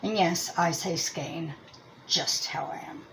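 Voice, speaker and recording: Slow-talking woman, Pennsylvania Dutch American accent. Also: lowish voice, fairly bright tone, slight background noise, rough recording. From Lancaster County, Pennsylvania, US. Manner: rambling, self-deprecating, thinking aloud. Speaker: host of a crochet and yarn channel. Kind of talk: casual chatty product review.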